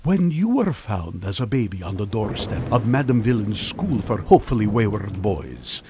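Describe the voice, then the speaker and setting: A man playing a dry, unflappable older mad scientist in a comic radio drama, deadpan and theatrical. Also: on the low side, moderate pace, background noise. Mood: persuasive. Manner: deadpan, theatrical, swinging into urgency.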